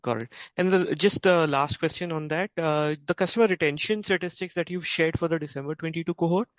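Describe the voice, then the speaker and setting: A man with an Indian accent asking questions as a financial analyst on an earnings call, in a halting, self-interrupting way. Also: on the high side, a bit bright, no echo. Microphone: conference call line. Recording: dull, lo-fi conference call audio.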